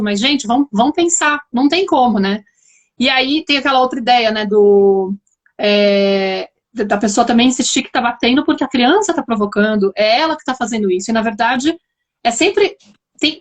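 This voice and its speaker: A woman's voice: high-pitched, brisk. A woman with a Brazilian accent hosting a live video chat, explaining her points in a thoughtful way. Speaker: host.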